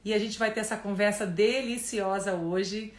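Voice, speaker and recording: A woman's voice: medium pitch, fairly even intonation, moderate pace. A woman hosting a casual live stream, chatty and addressing viewers directly. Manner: chatty, fillers like né, talks to audience.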